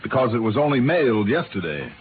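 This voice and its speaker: An American actor playing a shrewd, hard-nosed insurance investigator in an old-time radio drama, confident, pressing and sardonic. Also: male voice, medium pitch, sing-song, fast talker, lightly acted. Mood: accusing, confident. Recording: vintage radio, narrow band, faint hiss.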